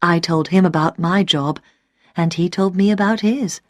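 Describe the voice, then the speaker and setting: A woman reading a story aloud for English learners, clear and deliberate. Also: on the low side, no room sound. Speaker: narrator.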